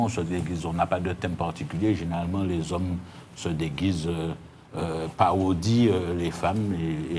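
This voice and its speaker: This interview guest, a union leader, has a low, darkish voice and a Martinican French accent. He answers questions haltingly, repeating words as he explains things, with clear background noise audible.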